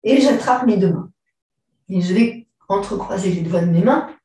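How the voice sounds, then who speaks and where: Female yoga teacher, unhurried gentle cues, mellow tone, heavy room echo, mic set far away. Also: medium pitch. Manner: slow, calm, gentle cues with frequent throat clearing. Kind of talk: guided stretching class instructions. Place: large room during an online class.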